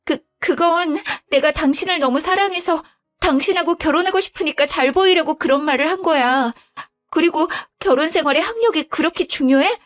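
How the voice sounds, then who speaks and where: A woman voicing a deceitful young wife who begs and stammers in a high, whiny voice in a dramatized story. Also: brisk, few pauses, a bit bright. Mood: flustered excuse. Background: faint background music.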